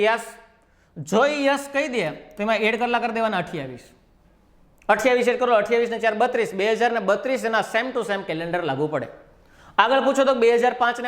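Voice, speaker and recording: A man with a Gujarati accent giving a reasoning lecture, firing rhetorical questions at his students and acting out little dialogues to make each step clear. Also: very high-pitched, a bit bright. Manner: acts out dialogues with the numbers. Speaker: reasoning teacher. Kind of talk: classroom lecture.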